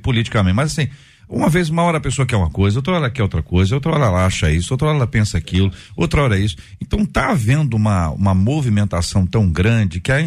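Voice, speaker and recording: Lively man hosting a faith talk panel. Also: lowish voice. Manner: reflective, uses vivid imagery. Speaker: host. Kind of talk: Christian radio discussion panel.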